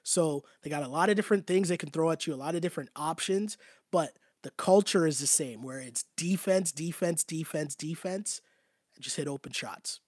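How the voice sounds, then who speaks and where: A man with a slightly high voice, worn thin because he is losing it, breaks down a basketball game in loose, chatty commentary. The sound is close and dry, with no room around it. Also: moderate pace, a little mellow, no room sound. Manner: conversational, repetitive, often asks "right?". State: losing his voice. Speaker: basketball show host. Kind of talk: casual sports commentary to a live chat.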